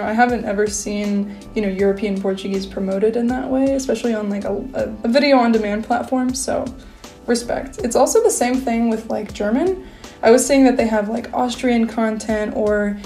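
A young woman in her twenties vlogging casually from a bedroom, chatty and full of fillers, gesturing as she talks to the camera. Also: medium pitch. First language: English. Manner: chatty, lots of fillers, animated hand gestures. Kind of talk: casual talking-head vlog. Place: small bedroom, indoors.

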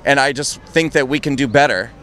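A man's voice: mid-range voice, fairly quick, bright, forceful tone. A man doing a conversational street interview on a city sidewalk, speaking earnestly and persuasively. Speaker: street interviewer, campaign activist. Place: outdoors on a busy city sidewalk. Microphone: handheld interview mic. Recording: noisy busy city street with traffic.

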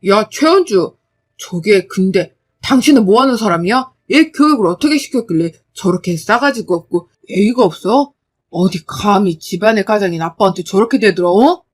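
A woman's voice: medium pitch, animated, very slow, few pauses, dark tone, husky, exaggerated voice. A woman voicing a domineering middle-aged husband who barks angrily at his family. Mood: angry. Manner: barking, domineering. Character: gruff bullying husband, middle-aged man.

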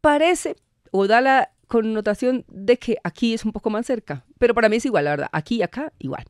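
A woman's voice: a little high, animated, a little fast, no room sound. A Colombian woman explaining spelling rules patiently as a guest on a radio show, speaking in a studio. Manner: patient, didactic, laughs easily.

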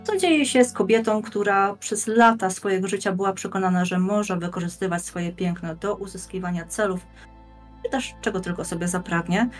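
A young woman presents as a podcast guest in a medium-pitched voice. Her phrasing is formal and measured, like prepared explanation, with quiet music underneath. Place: indoors, plain-walled room on video call. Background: faint music.

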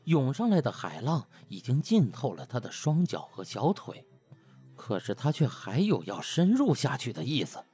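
A man's voice: mid-range voice, wildly swooping pitch, moderate pace, dark tone, breathy edge, soft background music. A man narrating a comic web novel in a colloquial, theatrical storytelling style. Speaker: audiobook narrator.

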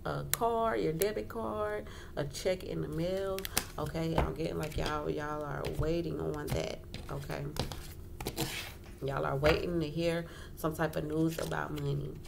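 In a clearly noisy home recording, a woman hosting a casual tarot reading talks informally at an indoor wooden table, repeating phrases and checking in frequently. Her voice sits low, with fairly even intonation and an unhurried delivery.

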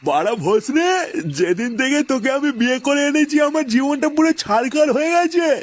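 Drunk cartoon dad, very high voice, slurred boastful ranting, foul-mouthed, music underneath. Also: male voice, lively intonation, brisk. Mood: drunk, abusive. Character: foul-mouthed drunk father, loud boastful blustering husband. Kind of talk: comedy cartoon voice acting. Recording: music behind the voice.

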